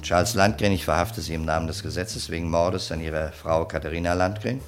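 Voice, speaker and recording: An actor playing a shrewd, relentless police detective in a radio crime play, speaking with precise, accusatory delivery. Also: male voice, low-pitched, steady tone, brisk, faint music behind. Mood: insistent, triumphant.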